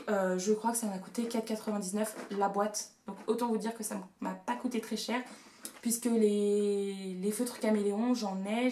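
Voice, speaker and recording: A woman's voice: mid-range voice, darkish tone, slight background noise. A young woman in her twenties, chatting casually and gushing through a shopping haul video at home. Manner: chatty and gushing, playful asides. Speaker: beauty and haul vlogger. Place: room at home. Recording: echoey room sound.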